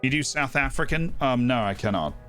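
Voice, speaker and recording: Bright-voiced man. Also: medium pitch, animated, brisk, soft background music. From Florida, United States. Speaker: live streamer. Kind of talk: casual chat answering viewers' comments.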